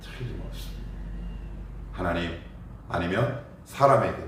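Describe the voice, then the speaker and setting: Male pastor, low voice, morning prayer sermon, rhetorical questions, very echoey room, mic far off. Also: animated, unhurried, background noise. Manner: acts out everyday dialogue.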